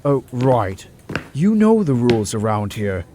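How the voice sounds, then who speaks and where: A man's voice: mid-range voice, very animated, a little slow, dark tone, slight background noise. A man playing a courteous but stern senior male doctor in an audio drama, with formal diction. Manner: formal, polite, firm. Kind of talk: amateur audio drama acting.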